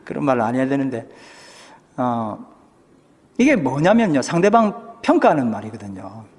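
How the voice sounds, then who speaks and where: A man's voice: mid-range voice, very animated, normal speed. A male pastor preaching a sermon, putting questions to the congregation and acting out what people say. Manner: asks the congregation questions, acts out quoted speech. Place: church. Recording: church hall with long reverb.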